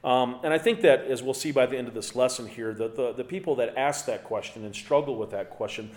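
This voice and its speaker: A man teaching a Bible lesson, explaining scripture and growing louder and higher when he reads verses aloud. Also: brisk. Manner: animated, rises in pitch and volume when reading scripture aloud.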